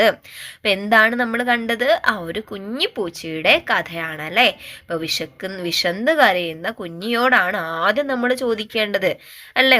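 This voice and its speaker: A woman teacher giving a gentle primary school lesson, coaxing young children with questions. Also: mid-range voice.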